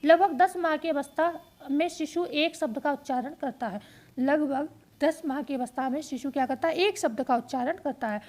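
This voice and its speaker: High-voiced woman teaching exam prep. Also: darkish tone. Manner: explains step by step, repeating key points as questions and answers.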